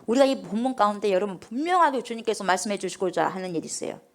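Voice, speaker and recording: Animated woman pastor preaching. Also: mid-range voice, racing. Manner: rhetorical questions, constantly addressing the congregation. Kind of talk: sermon.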